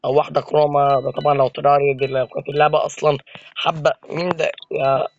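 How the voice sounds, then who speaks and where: A man's voice: on the high side, flat delivery, racing, vocal fry, lo-fi sound, a little hiss or hum. A man with an Egyptian accent giving live gameplay commentary, complaining to his viewers in an exasperated, joking way. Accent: Egyptian Arabic. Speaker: gaming video creator.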